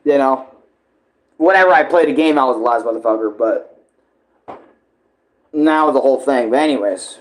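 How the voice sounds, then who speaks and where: A man's voice: medium pitch, moderate pace, long pauses, low-quality recording. A man giving casual, rambling reaction commentary as host, slangy and loose with swearing.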